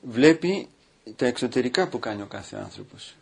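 Male priest, sermon delivery, gravelly voice, reads and comments with emphatic pauses. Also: medium pitch, expressive. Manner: reads aloud from a book, breaking off to comment.

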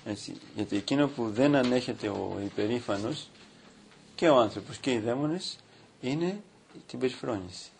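A man preaching as a priest, reading from a book and stopping to comment, with slow, drawn-out emphasis. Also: mid-range voice, lively intonation, vocal fry, slight background noise. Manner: reads aloud from a book, breaking off to comment. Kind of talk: sermon.

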